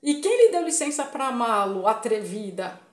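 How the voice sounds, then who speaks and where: A woman's voice: a little high, big pitch swings, moderate pace. A woman voicing an indignant, jealous older male guardian from a play, reading his lines in a scolding tone. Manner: scolding, outraged. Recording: roomy echo.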